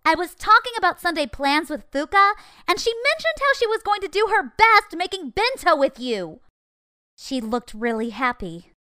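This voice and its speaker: A woman's voice: extremely high pitch, big pitch swings, moderate pace, bright, forceful tone, no room sound, studio quality, exaggerated voice. A woman voicing a jealous, scolding teenage schoolgirl in an anime fan dub. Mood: suspicious, pointed. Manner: accusing, scolding. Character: angry jealous teenage schoolgirl confronting a two-timer.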